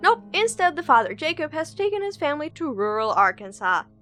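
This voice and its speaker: A woman's high-pitched voice at a very fast pace, very wide pitch swings, music in the background. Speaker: film reviewer. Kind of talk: video essay film review.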